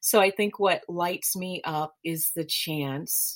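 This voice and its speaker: A woman speaks with an American accent. Her pace is very slow and her intonation fairly even. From US South, Memphis, Tennessee. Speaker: tarot reader and author. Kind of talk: interview conversation.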